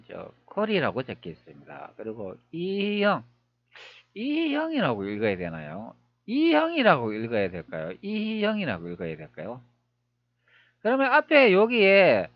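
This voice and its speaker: A man's voice: mid-range voice, no room sound, lo-fi sound. A man talking viewers through old images on screen, wondering aloud with many rhetorical questions. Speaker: history video creator. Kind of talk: screen-recorded commentary.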